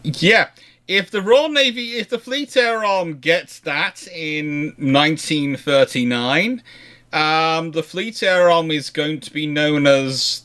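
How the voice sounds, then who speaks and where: A man's voice: on the high side, takes it slowly, bright, forceful tone. Rambling man chatting history. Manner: rambling, discursive, often circling back to rephrase. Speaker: host answering viewer questions. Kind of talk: casual naval history question-and-answer chat.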